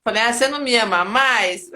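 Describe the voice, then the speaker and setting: A woman's voice: a little high, lively intonation, a little slow, pushed and bright. A Brazilian woman hosting a casual live sports chat, chatty and playful, laughing easily. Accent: Brazilian Portuguese. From Brazil, raised in Paraná.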